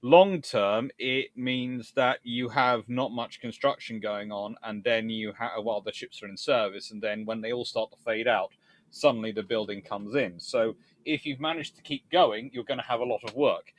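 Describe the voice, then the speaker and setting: A man's voice: mid-range voice, steady tone, moderate pace. A man hosting a live history chat, answering viewers in a rambling, discursive way like a lecturer thinking aloud.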